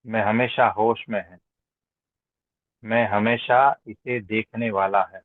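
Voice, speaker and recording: A man's voice: lowish voice, fairly even intonation, slow. A man speaking as a spiritual teacher in an informal question-and-answer discourse, didactic, with emphatic repetition and rhetorical questions. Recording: roomy echo, thin phone-like sound.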